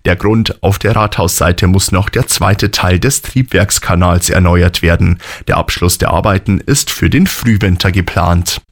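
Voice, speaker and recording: A man reading regional radio news in a calm, measured way. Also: low-pitched. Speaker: news presenter.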